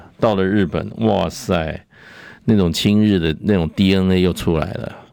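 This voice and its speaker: Very deep and low, the man's voice sounds animated, moving at a moderate pace with ordinary pitch variation. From Taiwan, Taipei. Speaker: retired ambassador and international affairs expert. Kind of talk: political commentary talk show. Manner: animated, emphatic.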